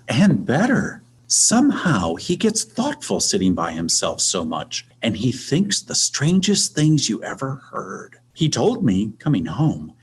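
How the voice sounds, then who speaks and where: Guy doing a gentle old-time family dad, husky, slow, voice goes way up and down, earnest radio play. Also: mid-range voice, full character voice. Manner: tender, earnest. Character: gentle, devoted, humble Victorian working father. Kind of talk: radio play acting of a Victorian tale.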